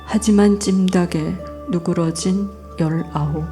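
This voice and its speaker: A woman poet, reading a poem aloud and chatting on a literary radio show in a soft, unhurried way. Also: lowish voice, fairly even intonation, faint music behind. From North Gyeongsang, Korea. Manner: soft, unhurried, gentle laughs. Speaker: guest poet. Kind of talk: poetry reading and radio chat. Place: public radio broadcast stage.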